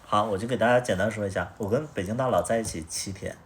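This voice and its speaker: A man's voice: on the low side, quick pace, a little hiss or hum. A young man telling a story on a casual livestream, blunt and rambling, swearing often. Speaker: livestream host.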